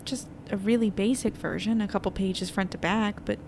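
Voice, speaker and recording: A woman playing an anxious, weary young newspaper editor in an audio drama, confiding and hesitant as she thinks out loud. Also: mid-range voice, steady tone, moderate pace, close to an everyday voice. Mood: uneasy, doubtful. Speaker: lead narrator of an audio fiction podcast. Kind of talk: intimate naturalistic audio drama monologue. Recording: noisy airplane cabin ambience.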